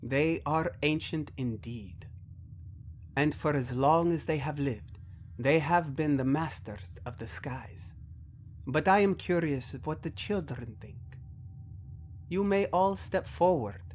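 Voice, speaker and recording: A man voicing a calm, wise alien mentor in an audio drama, speaking gently, formally and deliberately. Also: on the high side, a little hiss or hum, voice pushed up. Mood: calm, reflective.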